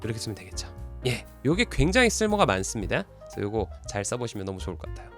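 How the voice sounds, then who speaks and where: A man teaching an English lesson online, with a pitch that swings up and down as he explains. He keeps quizzing the viewer and slows right down for each example sentence. Faint music plays softly behind him. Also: sing-song.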